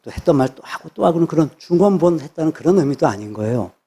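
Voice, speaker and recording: A man's voice: a little high, expressive, quick pace, warm tone, husky. A man, a pastor, preaching a sermon with emphatic repetition of phrases. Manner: emphatic, repeats phrases for stress.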